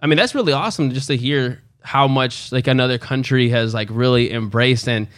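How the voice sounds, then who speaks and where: A man's voice: mid-range voice, brisk, no room sound, clean studio sound. A man hosting a podcast, laid-back and enthusiastic, with lots of casual slang. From Los Angeles. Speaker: podcast host.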